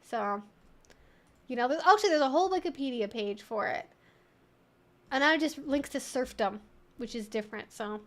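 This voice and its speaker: A woman's voice: high-pitched, lively intonation, normal speed, pauses often. A woman hosting a casual livestream, chatting to viewers in a playful, wry, mock-serious way and often giggling as she talks. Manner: giggles often while talking. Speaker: livestream host.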